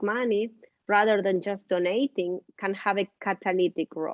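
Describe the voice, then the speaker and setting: A woman speaks in a Spanish accent at a medium pitch. Her intonation stays fairly even. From Argentina. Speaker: economist and business school professor. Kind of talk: panel discussion. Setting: video call. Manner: halting, with many repetitions and fillers.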